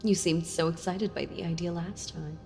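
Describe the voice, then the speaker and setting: A woman playing a sealed-away female villain in an audio role-play, speaking to the listener tenderly, intimately and with hesitant pauses. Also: on the low side, steady tone, mellow, lightly acted. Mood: tender, earnest. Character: sealed-away female villain, wistful, softly seductive and enthralled. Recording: long reverb with music behind. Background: music.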